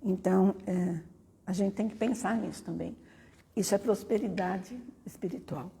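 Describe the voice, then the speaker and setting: A middle-aged woman speaking at a spiritist gathering in a chatty, storytelling way. She keeps checking in with her listeners. Her voice is mellow and slightly husky, and a long hall reverb trails behind it. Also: medium pitch, normal speed. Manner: conversational, often tags phrases with "né?". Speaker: speaker at a spiritist study center. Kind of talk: informal spiritual talk with personal stories. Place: spiritist center meeting hall.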